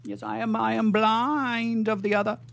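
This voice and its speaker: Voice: mid-range voice, level tone, moderate pace, vocal fry, lightly acted. An actor playing a tipsy, one-eyed gypsy man who rambles comically in a radio theatre melodrama. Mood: tipsy, boastful.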